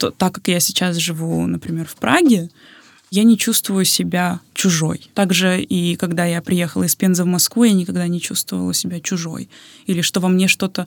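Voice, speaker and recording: It is an unremarkable speaking voice at a moderate pace. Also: woman. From Russia, Penza. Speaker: opera singer. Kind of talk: interview. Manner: formal.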